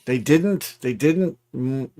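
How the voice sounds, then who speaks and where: A man's voice: mid-range voice, slow, mellow. A man co-hosting a casual crypto podcast, joking and bantering. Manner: joking, playful. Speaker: co-host.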